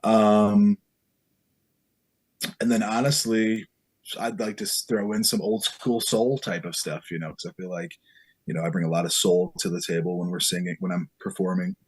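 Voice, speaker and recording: Husky, laid-back male guest. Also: low voice, flat delivery, moderate pace, rough recording. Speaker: guest musician. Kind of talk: casual interview chat.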